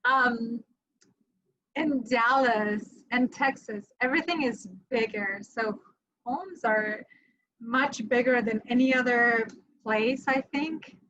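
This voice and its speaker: A woman's voice: a little high, takes it slowly, a bit bright, highs cut off. A middle-aged woman from Romania, a mortgage lender answering interview questions in a friendly, matter-of-fact way.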